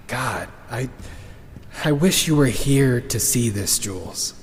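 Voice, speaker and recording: Long reverb around a weary, grieving man, husky and very unhurried, halting confessional monologue for sci-fi audio drama. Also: medium pitch, expressive, a little hiss or hum. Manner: halting, sighing, subdued, confessional. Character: grieving, weary man about to launch a rocket. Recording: long reverberant hall echo.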